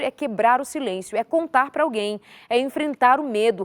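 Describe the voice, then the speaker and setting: With lively intonation, a woman in a normal speaking voice talks at a moderate pace, the sound dry and close with no echo. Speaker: TV show host. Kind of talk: live TV talk show presentation.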